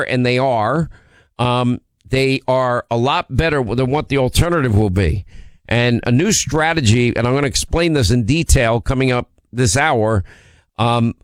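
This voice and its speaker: A middle-aged man with a hoarse voice from a cold, hosting a political talk radio show in a brash, combative way with sarcastic asides. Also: mid-range voice, dry recording.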